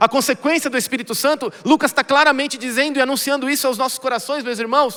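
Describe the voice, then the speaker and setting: A raised, projected voice with a bright, sharp tone carries fairly even intonation. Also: man. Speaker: pastor. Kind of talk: sermon. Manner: fast.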